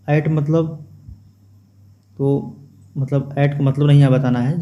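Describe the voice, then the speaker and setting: A man explaining a schoolbook lesson, repeating each word and its meaning slowly and patiently. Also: medium pitch, warm tone. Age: young adult. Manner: slow, repetitive word-by-word explanation. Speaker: teacher.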